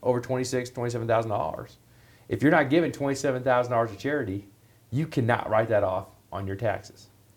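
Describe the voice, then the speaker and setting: Here is an ordinary speaking voice with ordinary pitch variation at a moderate pace. The recording is very clean, with a silent background. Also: man. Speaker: financial advisor and co-host. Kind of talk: casual explanation of retirement accounts. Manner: explanatory.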